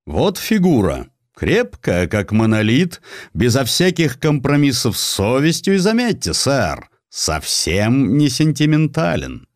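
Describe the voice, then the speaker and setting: A man's voice: medium pitch, big pitch swings, a little slow, no room sound, clean studio sound, pitched above the performer's own voice. A man voicing a cynical, smug diplomat in an audiobook, speaking in an emphatic, mannered way. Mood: smug, admiring.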